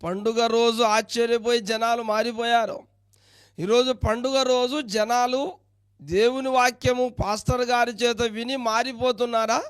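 A man's voice: very high voice, little pitch movement, measured pace, smooth, no echo, studio quality. A man preaching a sermon as pastor, pressing his listeners with pointed questions.

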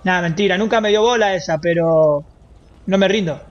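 A man's voice: high voice, moderate pace. A young man with an Argentine Rioplatense accent, bantering brashly during a role-play game stream, slightly muffled. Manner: brash, joking, animated.

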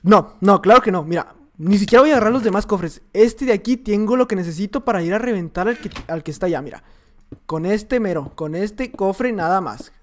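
A young man with a Mexican accent giving excitable, jokey gameplay commentary and talking to himself as he plays. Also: high voice, a little fast. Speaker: gaming youtuber.

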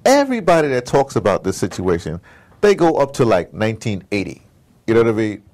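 Male interviewee, gravelly edge, conversational but emphatic, digressive, repeats himself for weight. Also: on the low side, wildly swooping pitch, fairly quick, darkish tone. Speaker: interviewee, audio drama producer.

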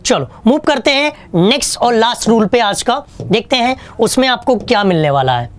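A man's voice: very high-pitched, lively intonation, normal speed. A man teaching an online exam-prep English lesson, chatty and joking, asking questions and answering them himself. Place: online class studio with a whiteboard.

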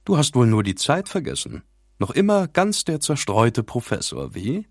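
A man's voice: medium pitch, very animated, moderate pace, no room sound, studio quality, pitched above the performer's own voice. A man doing a smug, mocking rival. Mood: teasing. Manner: taunting, with mock surprise. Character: smug, mocking male rival, a vain show-off.

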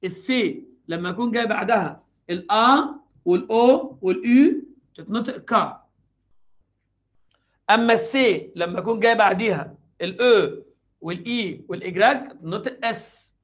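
A man with a strikingly high voice and an Egyptian Arabic accent leads a French review class. He chants conjugations in steady repetition and keeps checking that students follow. The recording sounds dull and lo-fi. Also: normal speed. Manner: drills conjugations aloud, repeating forms and checking in with the class. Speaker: French teacher. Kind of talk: exam review lesson.

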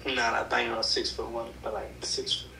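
A man's voice: medium pitch, monotone, brisk, vocal fry, bright, forceful tone, reverberant, low-quality recording. A nineteen-year-old man with a London accent, chatting on a video call in a laid-back, mumbling way. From England. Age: teens. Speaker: video chat stranger.

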